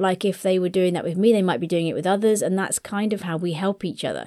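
A woman with a British accent and medium pitch, on a very clean recording with a silent background. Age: 40s. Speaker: podcast host. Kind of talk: unscripted solo monologue. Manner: casual with some hesitations.

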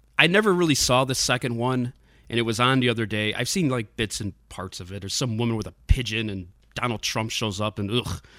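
A man at medium pitch with a bright, sharp tone, ordinary pitch variation and a fairly quick pace, on a very clean recording with a silent background. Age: 40s. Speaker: podcast host. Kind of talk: casual chat; show intro and outro. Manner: animated, laughing.

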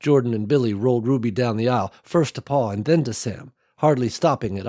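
Ordinary pitch variation from a natural reading voice, quiet background behind it

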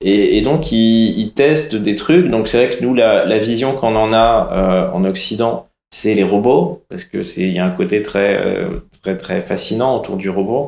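Here a man speaks at a fairly slow pace. His pitch is medium, with ordinary variation. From France. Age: 40s. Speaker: consultant and blogger on ageing. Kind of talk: casual interview. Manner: halting, many repetitions and fillers.

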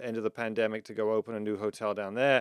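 A man with a southern English accent, on a very clean recording with a silent background and a dry, close sound with no echo. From southern England. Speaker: executive chef and pitmaster. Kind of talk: casual interview. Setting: bookstore.

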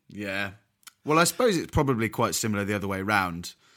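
A man speaks very fast in an animated tone, his pitch fairly low. The recording is very clean, with a silent background. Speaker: podcast host. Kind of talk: casual comedic chat with sketch reading. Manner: joking, profane, animated.

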